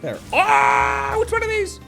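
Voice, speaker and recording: A streamer giving casual, excitable commentary while playing a game, often exclaiming and talking to themselves. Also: extremely high pitch, a little slow. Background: music.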